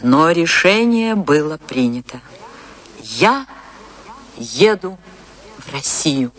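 A passionate woman dancer looking back on her life in a radio play. Her delivery is slow and deliberate, with sweeping intonation. She speaks expressively, dreamy one moment and ardent the next. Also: deep voice, exaggerated voice. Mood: resolute. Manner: expressive, dramatic, deliberate pauses. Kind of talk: theatrical Russian radio drama, monologue and dialogue.

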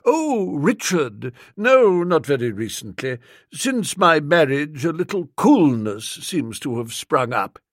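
A man's voice: a little high, sing-song, takes it slowly, dry recording, studio quality, full character voice. A man voicing a stout, pompous elderly lord who speaks in stiff, formal, long-winded sentences. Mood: stately.

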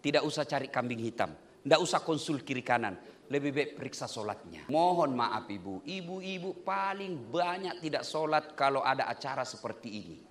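A man's voice: medium pitch, moderate pace. A man preaching a humorous sermon on marriage, joking with the congregation as he goes. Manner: joking, lively delivery with playful asides to the congregation.

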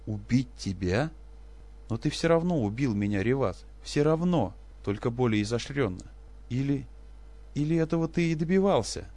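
A man voicing a grieving, vengeful woman who speaks in an even, cutting voice. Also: mid-range voice, normal speed, pitched above the performer's own voice. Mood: cold.

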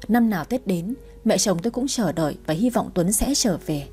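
A woman's voice: medium pitch, lively intonation, normal speed, mellow, soft background music. A woman in her twenties narrating her own sad family story in a sorrowful, reflective way. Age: 20s. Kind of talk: first-person story narration.

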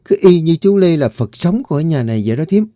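A man's voice: lively intonation, fast, dark tone, dry recording, clean studio sound, lightly acted. A man voicing a playful, teasing young maid in a spoken story, in a raised, bubbly voice. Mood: chatty. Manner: high, bubbly, scolding teasing.

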